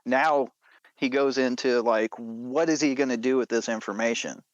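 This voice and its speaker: A man's voice: medium pitch, normal speed, no room sound, muffled recording. A man chatting informally about a story, often tossing in rhetorical questions to check the listener follows. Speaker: podcast co-host and show creator. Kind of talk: casual chat about a story's themes.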